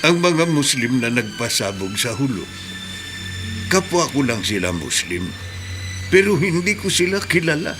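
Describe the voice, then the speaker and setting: An actor playing a grieving, gentle middle-aged Muslim man in a radio drama, talking slowly and sorrowfully. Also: mid-range voice, very animated. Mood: pleading. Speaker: neighbor. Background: background music.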